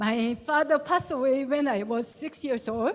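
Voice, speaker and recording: A woman speaks in a Malaysian accent at a high pitch with ordinary pitch variation. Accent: Malaysian-sounding English. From South Korea. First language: Korean. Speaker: missionary and university lecturer. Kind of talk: church testimony. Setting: church service. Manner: halting.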